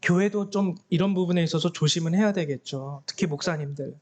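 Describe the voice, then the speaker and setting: Pastor guy preaching, pretty high voice, hammers key words, acts out the quotes. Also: brisk, a little mellow. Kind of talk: sermon.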